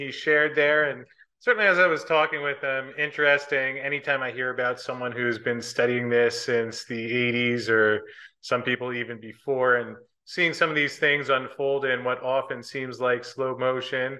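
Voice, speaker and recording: In a plain, everyday voice, a man talks at a moderate pace and medium pitch, his intonation fairly even. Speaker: show host. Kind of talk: interview, news-style commentary. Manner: friendly, conversational.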